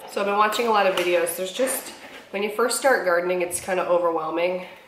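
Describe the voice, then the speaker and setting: A woman's fairly quick speech is accompanied by noticeable background noise. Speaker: vlogger. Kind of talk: casual vlog chat. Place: garden. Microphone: camera far.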